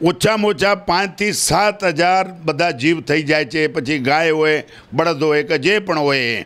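A man speaks in a plain, everyday voice, fairly high-pitched, with very even loudness and ordinary pitch variation. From Kutch, Gujarat (Abdasa taluka). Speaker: community leader and cow-shelter founder. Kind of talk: interview. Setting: office in Mumbai.

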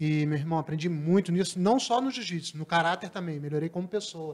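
A man with a fairly high pitch against a quiet background. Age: 40s. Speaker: jiu-jitsu practitioner; martial arts instructor guest. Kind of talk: casual interview. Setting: studio. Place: studio. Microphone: handheld.

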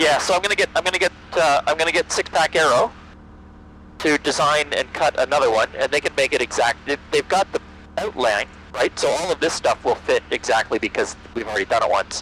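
A man speaks at a fairly quick pace with very even loudness. The sound is dry with no echo, and there is light background noise. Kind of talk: casual vlog chat. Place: plane. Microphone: headset.

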